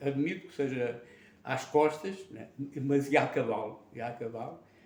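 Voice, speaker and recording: Room echo is audible as the speaker goes at a fairly slow pace with ordinary pitch variation. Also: man. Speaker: retired electrical engineer and author. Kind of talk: interview monologue. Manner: halting, with many fillers.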